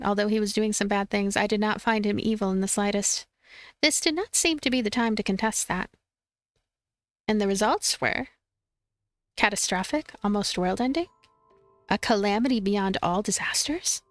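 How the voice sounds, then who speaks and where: A woman reading a visual novel aloud as a let's play streamer, expressive and playful, with commentary. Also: medium pitch, moderate pace, no echo, clean studio sound. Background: game music.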